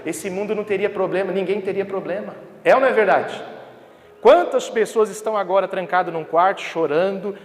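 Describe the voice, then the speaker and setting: A man preaching a sermon in a church, emphatic and full of rhetorical questions to the congregation. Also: high voice. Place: church hall. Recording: echoey hall with background ambience.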